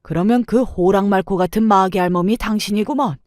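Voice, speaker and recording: A woman voicing a blunt gruff old neighbor man. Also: medium pitch, brisk, a little mellow, dry recording, studio quality, close to an everyday voice. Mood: indignant. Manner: blunt, commanding, speaks in plain short orders. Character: gruff elderly male neighbor, blunt and protective.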